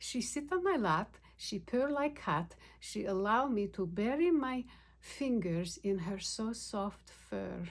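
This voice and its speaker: A woman with a Polish accent, a fairly high pitch, very wide pitch swings, and a very slow pace. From Poland. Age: 60s. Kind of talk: personal memories interview.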